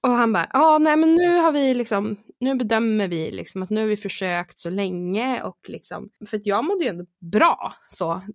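A woman as a podcast guest, telling a candid personal story in a lively way, acting out quotes and swearing with frequent laughs. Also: medium pitch, hardly any pauses, no room sound, clean studio sound. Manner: lively, acts out her own quotes, swears and laughs often.

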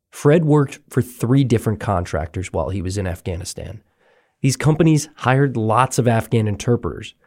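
A man hosting a documentary podcast, reading scripted narration in a measured, even way. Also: mid-range voice, no echo, clean studio sound. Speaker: podcast host.

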